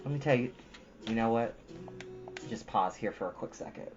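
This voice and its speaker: Low-voiced woman, informal and emphatic. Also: normal speed, muffled recording, music in the background. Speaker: storytime host and reader. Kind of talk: casual encouraging talk to viewers.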